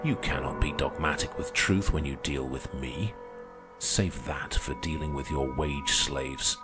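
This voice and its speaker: A man doing a deep-voiced fiery young orator. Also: measured pace, over loud music. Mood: commanding. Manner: forceful, declamatory speechmaking. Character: fiery young male revolutionary orator, commanding. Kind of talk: audiobook character reading.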